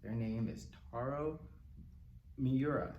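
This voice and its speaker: A man reading a picture book aloud to young children in a gentle, simple manner, with little asides to them as a storytime reader. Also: medium pitch, slow, muffled recording. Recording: roomy, distant mic with faint noise.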